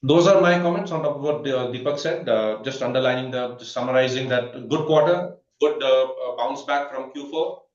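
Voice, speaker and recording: A man, an executive presenting quarterly results on a conference call, speaking haltingly and filling his pauses with many "uh"s and restarts. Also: mid-range voice. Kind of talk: earnings conference call commentary. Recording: distant, roomy, dull conference call audio.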